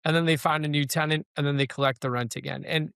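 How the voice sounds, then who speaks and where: A man's voice: a little high, fairly even intonation, fast, gravelly, a bit bright, smooth, dry recording, studio quality. A man hosting an interview show, asking questions in a conversational way with frequent "you know" fillers. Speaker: podcast host.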